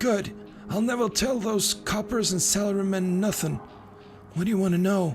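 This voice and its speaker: A croaky, put-on character voice at a moderate pace, very even in loudness with fairly even intonation, over clear music in the background. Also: man, high pitch for a man. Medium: actual play. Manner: suspicious, grumbling.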